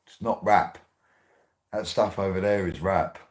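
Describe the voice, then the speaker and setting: Low-voiced excitable man. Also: unhurried. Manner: excitable, rambling, laughs often, swears. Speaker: radio host. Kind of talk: casual monologue.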